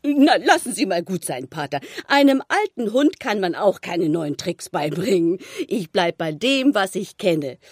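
An actress playing a chatty, ageing village shopkeeper in a radio play, homely, teasing and confiding. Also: female voice, medium pitch, sing-song, unhurried, hardly any pauses, slightly rough, no echo, studio quality. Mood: friendly, teasing. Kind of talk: German radio play acting.

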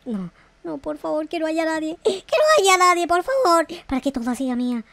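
A naive young boy gamer with a very high voice. He is excitable and whiny, exclaiming melodramatically and repeating words over and over as he roleplays through a video game in slangy speech. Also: moderate pace, gravelly, dry recording, exaggerated voice. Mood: amazed, excited. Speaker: gaming video creator.

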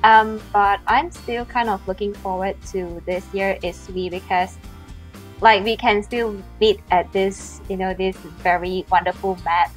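A woman's voice: medium pitch, steady tone, a little slow, faint music behind. A woman in her twenties, a student being interviewed casually on a video call.

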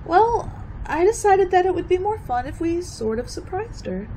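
A woman's voice: very high-pitched, very animated, normal speed, warm tone, slight background noise, rough recording. A woman playing a good-natured young college student in an old-time radio drama, with breezy, unbothered replies. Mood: sheepish.

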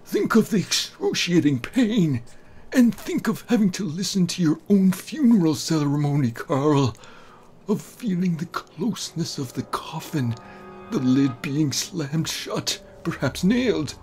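A man voicing a morbid, scheming old gentleman in a dramatic, drawn-out horror story reading. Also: a little high, big pitch swings. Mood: morbid raving. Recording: voice over background music.

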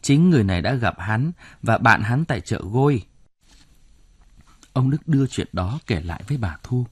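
A man's voice: mid-range voice, lively intonation, moderate pace, husky, no echo, studio quality. A man narrating a novel in an audiobook, telling the story expressively. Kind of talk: scripted narration.

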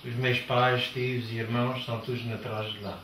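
A man's voice: medium pitch, little pitch movement, a little fast, a bit bright. A man in his thirties with a São Miguel Azorean accent, telling his story animatedly as an interview guest. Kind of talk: casual TV interview. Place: living room of a house, indoors. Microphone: handheld microphone held by interviewer. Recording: roomy, distant, noticeable background noise.

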